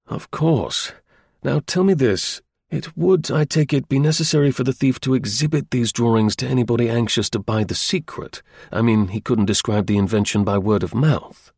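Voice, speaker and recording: Guy reading a calm detective type, probing and businesslike, husky gravelly voice, storybook narration. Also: mid-range voice, no room sound, studio quality. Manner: measured, inquisitive, businesslike. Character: calm, probing male investigator.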